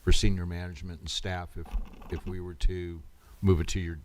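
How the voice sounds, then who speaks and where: Very low-voiced man chairing a meeting. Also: flat delivery, brisk, darkish tone, a little hiss or hum. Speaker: meeting chair, city council member. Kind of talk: deliberating in a public meeting.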